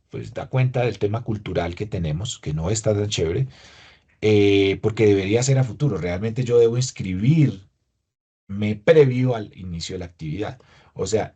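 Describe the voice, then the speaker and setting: A man's voice: medium pitch, warm tone, slightly rough. A man with a Colombian accent giving a tax lesson, explaining step by step and asking rhetorical questions. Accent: Colombian Spanish. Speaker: tax instructor.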